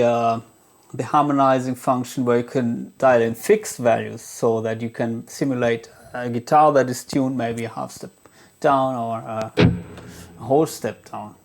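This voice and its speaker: A man presents gear in a casual, unscripted demo style at a medium pitch. He speaks haltingly and hesitantly, thinking aloud as he goes, with guitar music clearly present in the recording. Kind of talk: casual product demo talk.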